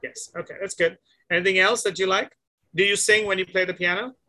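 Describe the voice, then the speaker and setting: A male English tutor with a very bright, sharp and fairly high voice, patiently walking a student through simple questions over a video call. He repeats and gently corrects her answers, praising her along the way. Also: fairly even intonation, fairly quick. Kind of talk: one-on-one online conversation lesson.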